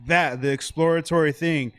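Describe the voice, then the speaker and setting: A man's voice: fairly high pitch, fairly even intonation, normal speed, clean tone. A man in his thirties, a podcast co-host, chatting casually and rambling with lots of "like" and swearing. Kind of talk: casual chat.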